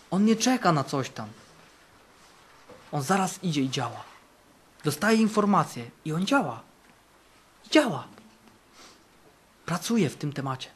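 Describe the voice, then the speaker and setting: A male camp preacher in full sermon mode, his fairly high voice rising for bold declarations and dropping for quiet, earnest passages. He drives points home by repeating key phrases. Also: slightly rough. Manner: fervent, repeats phrases for emphasis, swings between loud and hushed. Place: camp meeting.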